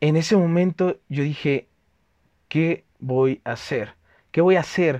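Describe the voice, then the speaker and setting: A man with a dark, mellow tone and fairly high pitch speaks at a very slow pace with long, frequent pauses and ordinary pitch variation, in a dry, close sound with no echo against a quiet background. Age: 20s. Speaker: network marketing team member. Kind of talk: motivational talk. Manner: energetic.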